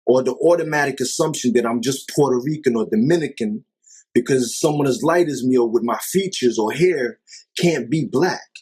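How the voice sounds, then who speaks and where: A man speaks in a husky, slightly rough voice of middling pitch, delivering an emphatic vlog monologue. He presses his points hard and throws out rhetorical questions with open exasperation. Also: normal speed, darkish tone. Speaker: vlogger. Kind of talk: impassioned commentary monologue.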